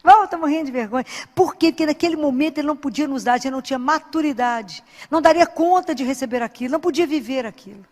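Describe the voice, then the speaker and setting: A woman's voice: sits high, fast, hardly any pauses, darkish tone, in a large hall. A woman who is a Christian speaker and doctor, giving an informal sermon full of anecdotes in an earnest, exhorting, conversational way.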